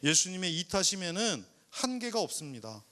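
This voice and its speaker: A man preaching in church with a lively, swinging delivery that leaps up for questions and drops low for the point. His voice sits a little high for a man. He acts out the prayers and complaints of his listeners. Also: moderate pace. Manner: animated preaching with rhetorical questions and acted-out prayers. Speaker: pastor. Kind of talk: sermon to a young adults service. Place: church worship service.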